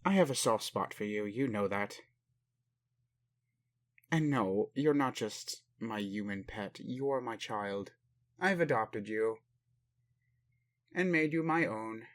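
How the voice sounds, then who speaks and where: A man playing an ancient alien father in a roleplay audio, speaking formally with pauses to his adopted human, fond and bemused. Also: on the low side, lively intonation. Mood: doting, solemn. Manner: slow, formal phrasing with pauses, addresses listener as human. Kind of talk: roleplay audio addressed to the listener.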